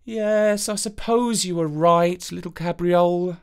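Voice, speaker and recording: A woman's voice: fairly low pitch, fairly even intonation, unhurried, smooth, voice pushed up. A woman voicing a plucky, easily frustrated young man in a fairytale, boyish and emphatic. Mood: resigned.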